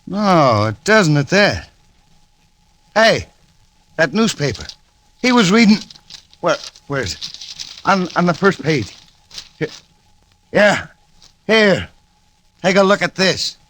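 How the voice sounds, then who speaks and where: An actor playing a blunt, demanding police officer in a 1940s radio play. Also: male voice, high voice, very animated, slow, pauses often, fairly bright tone, exaggerated voice. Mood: excited.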